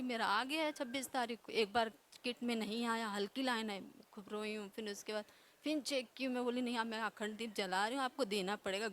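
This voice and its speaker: A woman's voice: a little high, fairly bright tone, slight background noise. A young woman gives an emotional, pleading personal testimony as a devotee, her voice breaking into tears.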